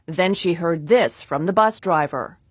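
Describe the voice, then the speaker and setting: A woman reporting a TV news story with an even, polished delivery. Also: lowish voice, unhurried, husky.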